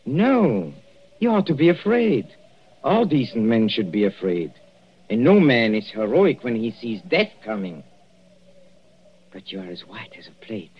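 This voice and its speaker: A scheming professor-killer from a vintage radio play, purring his threats slowly in a husky, breathy voice. The old broadcast sounds dull and lo-fi. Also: medium pitch, sing-song. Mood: menacing. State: panicking, shrieking as he dies. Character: scheming, gloating male mathematician murderer, poisoned. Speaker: villain. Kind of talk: 1940s radio acting.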